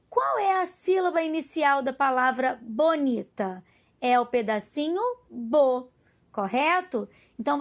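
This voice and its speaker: A Brazilian woman teacher with a Carioca accent, walking young pupils through worksheet exercises in a patient, sing-song way. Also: high-pitched. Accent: Carioca Portuguese. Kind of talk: recorded lesson for young pupils.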